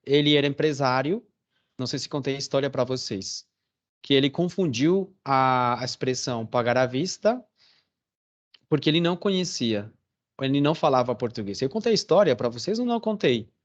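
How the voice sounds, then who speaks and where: A man's voice: medium pitch, lively intonation, brisk. A man teaching a Portuguese class online, telling stories in a chatty way and checking in with his students often. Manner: chatty storytelling with frequent "né?" and "tá certo?". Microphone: phone or computer on a video call.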